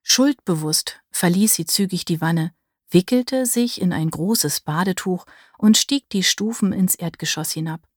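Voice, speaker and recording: A woman narrating a romance audiobook in an expressive storytelling manner. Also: fairly low pitch, measured pace, no room sound, studio quality. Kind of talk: scripted narration.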